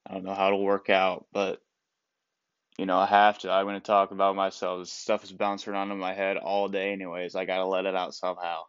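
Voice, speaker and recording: A man's voice: low-pitched, monotone, fairly quick, clear, resonant tone, dry recording, highs cut off. A young man hosting his own solo sports podcast, sounding stuffed up and rambling through opinionated takes with many restarts. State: stuffed-up nose. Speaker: podcast host.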